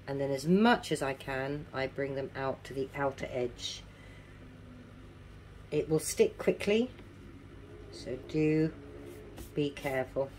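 A middle-aged woman with a low voice and toothless, softened articulation walks through a craft demonstration. She takes it slowly and casually, repeating key instructions. She is recorded at a home table with noticeable background noise. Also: low-quality recording. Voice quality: toothless, slightly slurred articulation. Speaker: craft tutorial presenter.

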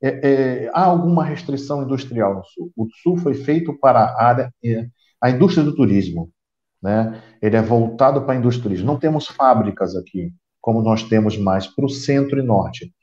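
A man's voice: mid-range voice, expressive, fairly quick, a little mellow. Brazilian man in a roomy, dull call. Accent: Brazilian Portuguese. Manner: explains at length, many restarts. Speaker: guest. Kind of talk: casual chat on a video call.

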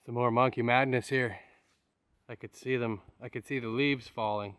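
A man's voice: medium pitch, steady tone, normal speed, a bit bright, clear, resonant tone. A male travel vlogger talking casually and joking to himself while hiking outdoors in a rainforest, recorded on a handheld camera. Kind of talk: casual solo travel vlog narration.

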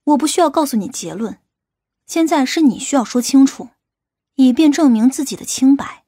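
A woman playing a stern, sharp-tongued female police captain in an audiobook, questioning a suspect in a cold, accusing manner. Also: high voice, lively intonation, moderate pace, no room sound, clean studio sound. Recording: faint music bed under the voice.

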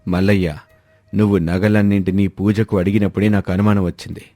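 A man's voice: deep voice, flat delivery, a little fast, mellow, no room sound, close to an everyday voice. A man playing a shrewd, stern village landlord in a moral story, speaking in a grave, commanding manner. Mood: grave, reproving. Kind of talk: scripted animated moral-story dialogue. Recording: background music under the voice.

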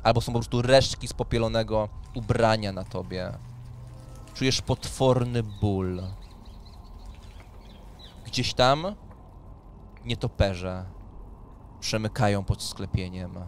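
A man's voice: on the low side, slow pace, pauses often. Man running a tabletop game, noisy background. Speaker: game master. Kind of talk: tabletop game narration and rules talk. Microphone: studio microphone on a boom arm. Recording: clear background noise.

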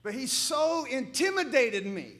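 A middle-aged male pastor, preaching a sermon full of humorous, animated stories and bursts of shouting. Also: very high-pitched, unhurried, slight background noise. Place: church.

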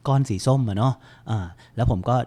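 A man's voice: medium pitch, a little fast, slightly rough. Chatty man walking through a tutorial. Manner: relaxed, chatty, lots of fillers, spells with phonetic alphabet. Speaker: computer help host. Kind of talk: step-by-step screen-reader tutorial.

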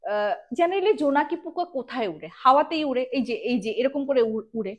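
High voiced lady telling spooky stories like she's chatting to you, keeps adding little explanations. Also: expressive, fast talker. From Assam, India. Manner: conversational, explains asides and addresses listeners directly. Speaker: host and storyteller of a ghost story show. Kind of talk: casual spoken ghost storytelling.

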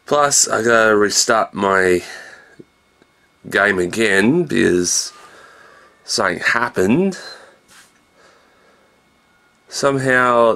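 A man in his thirties with a creaky, gravelly voice, rambling casually in a low-key video diary, recorded indoors on a handheld camera at arm's length. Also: fairly bright tone. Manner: low-key, meandering, jumps between everyday subjects. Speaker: vlogger. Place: small room indoors.

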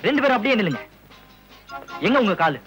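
A man's voice: high-pitched, sing-song, fast, a bit bright, soft background music, poor audio. An actor playing a cheeky, evasive young son who jokes with his parents in a film comedy. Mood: teasing. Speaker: young son starting a business. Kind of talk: 1980s Tamil film comedy.

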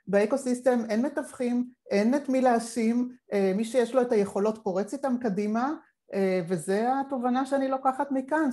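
A woman's voice: fairly high pitch, dark tone. Reflective woman on a video call. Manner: reflective, expansive, thinking aloud. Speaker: panel participant. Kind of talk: online panel discussion. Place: home living room.

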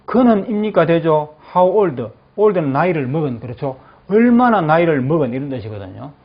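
A male English teacher in a classroom, saying phrases slowly and then explaining them, often checking that the class follows. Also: fairly high pitch, very animated. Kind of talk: classroom lecture with repeat-after-me drills. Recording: dull lo-fi classroom recording.

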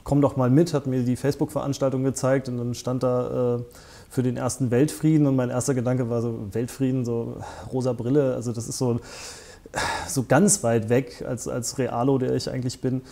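A man's voice: mid-range voice, level tone, moderate pace, vocal fry, dark tone. A man in his forties from northern Germany, a guest speaking in a studio interview, hesitant with many fillers and restarts, on a lapel mic. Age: 40s. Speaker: interview guest, festival founder. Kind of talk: conversational interview. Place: small studio set with armchairs.

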